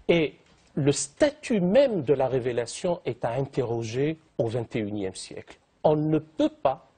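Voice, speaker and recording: A man's voice: medium pitch, big pitch swings, unhurried, dark tone, breathy edge. A man speaking as a guest in a televised debate, eloquent and fond of long, elaborate phrasing. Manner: eloquent, elaborate vocabulary, piles up synonyms.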